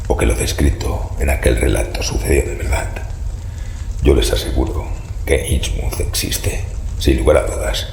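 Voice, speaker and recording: Hombre siniestro de voz cavernosa, rasposa. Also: male voice, a bass voice, darkish tone. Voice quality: gravelly, rasping, breathy. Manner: slow, formal, ominous storytelling. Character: sinister older man descended from cursed fish-like cultists, grave, courteous. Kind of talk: horror audio drama acting. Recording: echoey reverberant room, faint noise.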